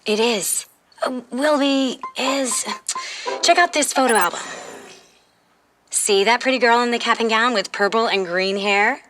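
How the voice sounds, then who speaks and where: A woman's voice: fairly high pitch, a little slow, long pauses, a bit bright, soft background music. A woman playing an earnest, eager fifteen-year-old girl from the future in an audio drama, insistent and persuasive. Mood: matter-of-fact, persuasive.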